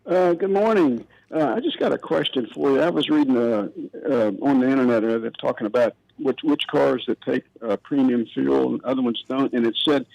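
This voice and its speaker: A man's voice: mid-range voice, normal speed, gravelly, hardly any pauses. A man calling a radio show to ask a car question, speaking hesitantly and with curiosity. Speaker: caller. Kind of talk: phone-in question. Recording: dull, dry phone sound.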